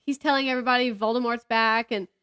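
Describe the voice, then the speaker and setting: A woman in her thirties with a fairly high voice co-hosts a book podcast. She talks in a casual, chatty way, gushing and giggling as she goes. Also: fairly even intonation, fast, a bit bright, clear, resonant tone. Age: 30s. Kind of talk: casual chat about books.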